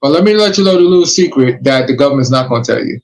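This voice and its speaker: A man's voice: medium pitch, lively intonation, very fast, slight background noise, rough recording. A man hosting a podcast, giving emphatic, streetwise warnings and advice in casual chat. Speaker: podcast host.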